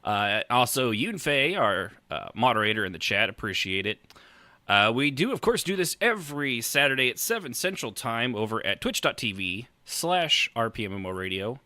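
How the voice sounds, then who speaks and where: Male podcast host: rambling, jokey, sharply bright delivery with animated swings, recorded close and dry. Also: mid-range voice, moderate pace, no echo. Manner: rambling, joking, teasing. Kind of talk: casual chat, hosting a live roleplay podcast.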